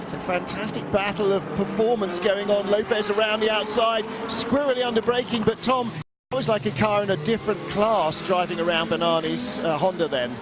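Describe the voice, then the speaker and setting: A man's voice: sits high, steady tone, a little fast. A man giving live motorsport commentary as a race commentator, describing the action emphatically with repeated phrases. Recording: loud car and engine noise behind.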